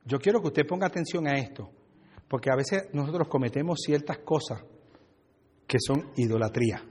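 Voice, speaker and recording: A man's voice: mid-range voice, normal speed, a little mellow, breathy edge, long reverb tail. A Puerto Rican man from Brooklyn, preaching a joking, conversational sermon and talking back and forth with his congregation. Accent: Puerto Rican Spanish. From USA (Brooklyn), Puerto Rican family. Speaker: pastor. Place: church hall.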